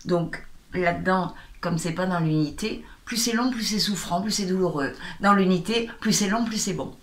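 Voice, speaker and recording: A woman speaking as a guest, a sound healer and spiritual guide, animated and acting out little everyday scenes, with slow, drawn-out phrasing. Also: lowish voice, roomy sound. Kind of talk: interview guest.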